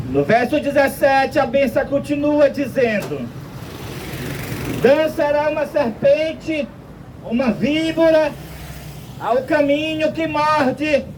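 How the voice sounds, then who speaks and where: Slow high-voiced Brazilian man preaching outdoors. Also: background noise. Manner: slow, deliberate, emphatic preaching, quoting scripture. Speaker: street preacher. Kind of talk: slow street sermon. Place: outdoors on a street.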